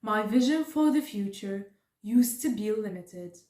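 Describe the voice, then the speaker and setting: A woman's voice: mid-range voice, lively intonation, unhurried, dark tone. A woman, a student, giving a prepared interview answer, recorded in a roomy space at some distance. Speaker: student project member.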